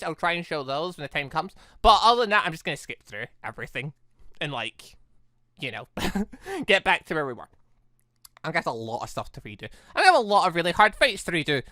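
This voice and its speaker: A gaming host with a bright, forward voice in a dry, close-sounding recording. The delivery is chatty and animated, moving between casual commentary and reading game text, sometimes breaking off mid-thought. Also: medium pitch, dry recording.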